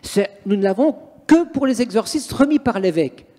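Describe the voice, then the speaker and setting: A man's voice: extremely high pitch, animated, moderate pace, warm tone. A man, a priest and exorcist, telling stories in an interview in an emphatic, theatrical way. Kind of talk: interview, storytelling. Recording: long reverberant room echo.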